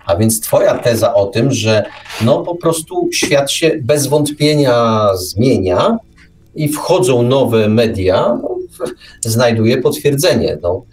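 A man's voice: mid-range voice, expressive, slow, a little mellow. A man hosting a radio show in casual chat, heard a little distant from the microphone.

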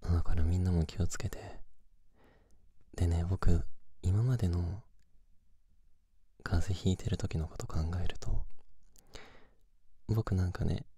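A man in a soft, gentle whispered pillow-talk chat, murmuring intimately to one listener close to the mic. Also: a little slow, pauses often, dry recording. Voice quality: breathy, low. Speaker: livestream host. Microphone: close binaural microphone.

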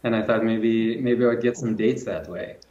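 A man's voice: on the low side, normal speed, mellow. Man in his forties, on a roomy call. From Lithuania. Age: 40s. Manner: reflective, many restarts and repeats. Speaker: guest, movement and strength coach. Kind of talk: casual interview talk. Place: home room with plants and guitar, indoors. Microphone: video call, camera at a distance. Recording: roomy, dull video call audio.

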